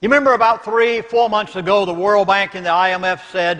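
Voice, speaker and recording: This man speaks with a Southern US accent. His tone is animated. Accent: southern US drawl. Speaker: minister and lecturer. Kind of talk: lecture. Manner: fast.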